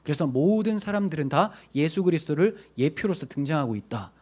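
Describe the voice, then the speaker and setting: Guy preaching a wednesday sermon, kinda high voice that swings up and down a lot, explains stuff step by step. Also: lively intonation, brisk, darkish tone. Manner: explains verses with rhetorical questions. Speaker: pastor. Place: church.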